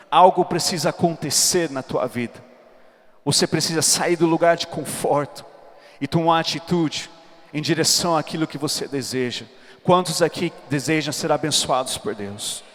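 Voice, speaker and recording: A man's voice: a little high, fairly bright tone. Earnest male preacher in a reverberant hall. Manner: earnest, emphatic preaching to a congregation. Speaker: preacher giving a testimony. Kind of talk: sermon testimony at a church congress. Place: large church hall.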